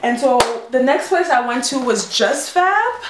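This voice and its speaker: Woman, bubbly and gushing, higher voice, echoey room. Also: animated, unhurried, background noise. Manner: bubbly and gushing, with many fillers. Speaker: fashion vlogger. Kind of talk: casual haul video chat.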